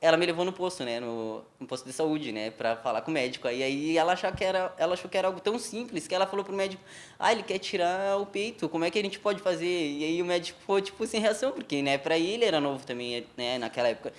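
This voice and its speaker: Fast-talking young man. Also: fairly high pitch, expressive. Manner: informal, frequent tag questions. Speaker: interview guest. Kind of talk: personal story in a TV interview. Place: television studio.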